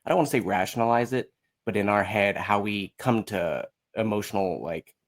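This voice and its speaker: A man in his thirties with a slightly low voice. He chats casually as a guest, wandering through his thoughts and slipping into quoted bits of dialogue. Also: normal speed. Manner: rambling, often quotes himself and others in dialogue. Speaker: podcast guest, musical writer. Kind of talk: casual chat.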